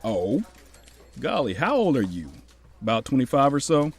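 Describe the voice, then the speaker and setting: A man plays a fatherly older US Army officer in a wartime radio play. His voice sits at an ordinary medium pitch. He is genial and folksy, yet carries probing, commanding authority. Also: huge pitch swings, moderate pace, slightly rough, heavily acted. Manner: folksy, commanding, addresses juniors paternally. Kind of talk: audio drama acting.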